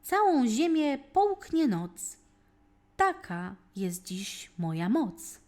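Woman as a young storybook devil, conceited, wicked, grandiose declaiming, high-pitched, swooping delivery. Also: very animated, very slow, a little mellow, exaggerated voice. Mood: boastful. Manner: grandiose, declaiming in rhyme and boasts.

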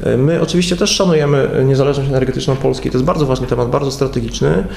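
A man in his forties, a county head, answering in a local TV studio interview, measured and full of hesitations. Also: mid-range voice, creaky, a little mellow, a little hiss or hum. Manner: measured, hesitant with many fillers. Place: TV studio at a table. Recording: echoey studio room.

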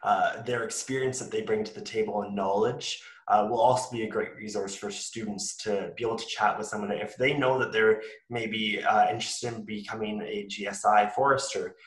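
A man's voice: fairly low pitch, steady tone, moderate pace, hardly any pauses, reverberant, rough recording. A man hosting a university webinar, talking casually with many fillers and restarts. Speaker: webinar host.

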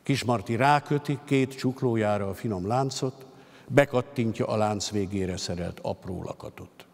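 A man reading literary prose aloud on stage, with steady, expressive storytelling. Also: fairly low pitch, creaky. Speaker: reader. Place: concert hall stage at a literary gala. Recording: long hall reverb.

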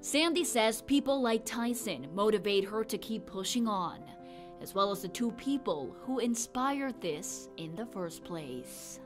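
A young woman reporter delivering a scripted news report in a crisp, measured way, partly on camera on a city street. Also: mid-range voice, expressive, soft background music.

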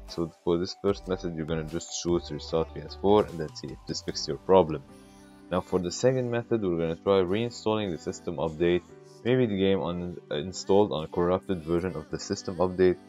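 A man's voice: low-pitched, normal speed, dark tone, lo-fi sound, soft background music. A man hosting a casual tech tutorial, talking the viewer through each step, his voice coming through a glitchy, bitcrushed mic that makes it sound robotic.

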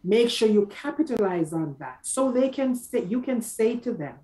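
A middle-aged woman speaking as a guest career coach on a video call, giving conversational advice in a deliberate, emphatic way. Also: on the high side, expressive, warm tone, low-quality recording. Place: small office, indoors.

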